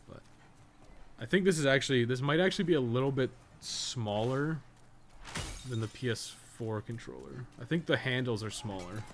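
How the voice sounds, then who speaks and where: A man chatting casually while streaming a game, rambling along and swearing freely, with some noise behind him. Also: medium pitch. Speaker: game live streamer, podcast co-host. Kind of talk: casual livestream chat while gaming.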